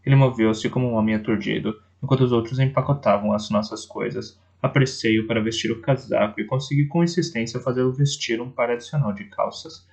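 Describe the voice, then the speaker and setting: Gravel-voiced man reading an audiobook. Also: mid-range voice, brisk, hardly any pauses, darkish tone. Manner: reads with restarts and self-corrections. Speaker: audiobook narrator.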